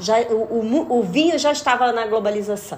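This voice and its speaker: A woman's fairly high voice with a Brazilian accent, over noticeable background noise. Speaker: podcast host. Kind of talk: interview.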